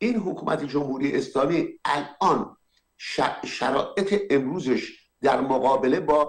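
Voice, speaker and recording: Here a man talks with a fairly high pitch. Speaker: talk show host. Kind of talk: interview.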